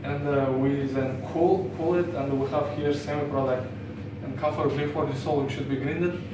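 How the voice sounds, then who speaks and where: There is audible room echo and noticeable background noise as a man speaks at a moderate pace with ordinary pitch variation. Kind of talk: class presentation. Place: classroom. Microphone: camera far.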